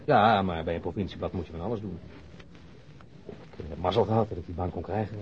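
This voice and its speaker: A nervous, humbled ex-convict, apologetic and quick despite hesitant starts. It sounds like a radio play, with clear background noise. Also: male voice, low-pitched. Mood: earnest. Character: nervous, humbled male ex-convict turned provincial reporter. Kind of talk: Dutch radio drama dialogue. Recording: dull, noisy lo-fi radio drama recording.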